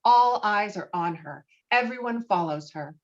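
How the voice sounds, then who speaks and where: A woman's voice: medium pitch, animated, measured pace, darkish tone. A lo-fi, slightly muffled online recording of a woman narrator. She reads film stage directions in a mid-range voice, as scripted narration at a table read. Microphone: online call microphone.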